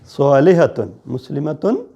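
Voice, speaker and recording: A man with a South Asian accent teaching a grammar lesson in a deliberate, explanatory way, often checking with questions. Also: fairly high pitch, sing-song, creaky, mellow, slightly rough, highs cut off. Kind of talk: classroom lesson on Arabic grammar.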